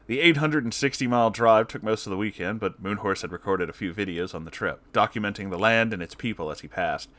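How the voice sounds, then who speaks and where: A man with a fairly low voice narrates a written story. He reads comic horror prose in a dramatic, scripted storytelling style. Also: a bit bright.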